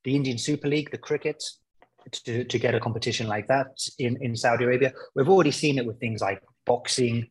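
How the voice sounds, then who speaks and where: A man's voice: medium pitch, fast, slightly rough. A man speaking as a football pundit guest in a conversational interview, explaining his points with hesitant, searching phrasing.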